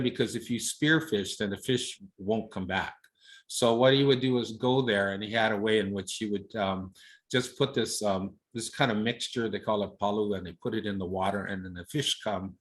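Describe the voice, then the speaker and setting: A man from Hawaii talks a group through slides in a relaxed, conversational way. His voice sits fairly low. He leans on fillers and keeps checking in with "right?". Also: normal speed. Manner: casual, many fillers, ends points with "right?". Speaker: leadership presenter. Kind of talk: informal presentation with slides.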